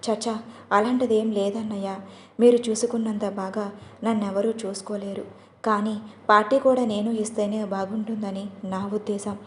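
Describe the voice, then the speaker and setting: A woman's voice: medium pitch, little pitch movement, normal speed, slight background noise, lightly acted. Young college heroine, coaxing, pleading tone, voiced by the woman narrator; audio story, roomy sound. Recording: roomy echo.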